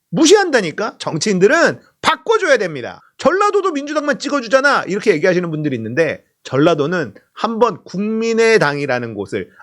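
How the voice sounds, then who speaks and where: A man giving a heated political commentary monologue, scolding and sarcastic, swinging from loud exhortation to muttered asides. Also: high-pitched.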